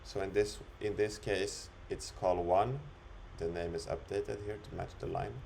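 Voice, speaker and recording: A man talking through an unscripted screen-recorded software demo, explaining it step by step in an instructional way. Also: deep voice, steady tone, a little slow, creaky, slight background noise. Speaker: software demonstrator.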